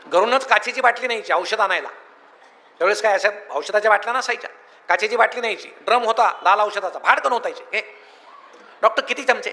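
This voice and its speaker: A man's voice: very high-pitched, pushed and bright. A man giving a humorous motivational speech, telling folksy anecdotes in a joking storyteller's manner, in an echoey hall. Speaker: public speaker.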